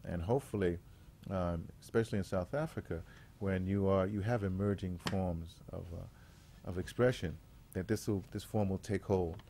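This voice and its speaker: Give this a man with a low, dark voice. He addresses a gathering informally as an artistic director, pausing often to find his words. There is faint ambient noise behind him. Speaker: radio theater artistic director, guest facilitator.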